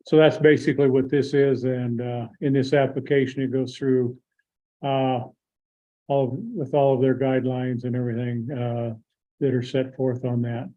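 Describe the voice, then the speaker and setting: A hoarse man chairing a county board meeting, explaining an agenda item haltingly with many filler pauses. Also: mid-range voice, flat delivery, mellow. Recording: tinny phone-like audio.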